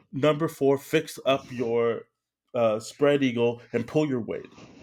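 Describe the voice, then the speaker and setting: Flat, monotone intonation from a man at medium pitch. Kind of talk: cold reading of experimental literary prose. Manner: halting, hesitant, stumbling over words.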